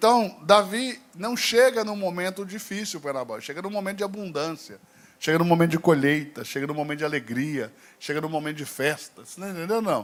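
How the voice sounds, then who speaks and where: An animated man with a high pitch talks at a fairly quick pace, with lively intonation and big swings in loudness. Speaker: pastor. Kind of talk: sermon.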